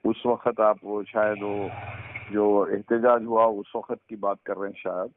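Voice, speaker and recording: A man with a Hyderabadi accent in a phone conversation, answering defensively and haltingly, repeating himself. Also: on the low side, level tone, a little hiss or hum. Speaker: religious leader. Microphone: phone call recording. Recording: tinny, narrow-band phone line.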